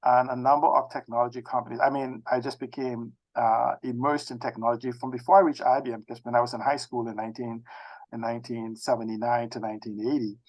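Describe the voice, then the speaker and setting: A man in his sixties from the Bahamas with a Bahamian accent, talking as an interview guest in a halting, circling way with repeated phrases. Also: medium pitch, level tone, poor audio. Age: 60s. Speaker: interview guest, technology expert. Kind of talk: conversational autobiographical interview talk.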